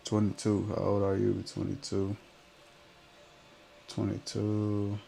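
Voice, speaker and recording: A man's voice: fairly low pitch, completely flat delivery, slow, vocal fry, dark tone, slight background noise. A man in his twenties with a Memphis accent, chatting casually on a live stream, reading viewer comments in a laid-back, slangy way. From Memphis, Tennessee. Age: 20s. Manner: laid-back slang, trailing off mid-sentence.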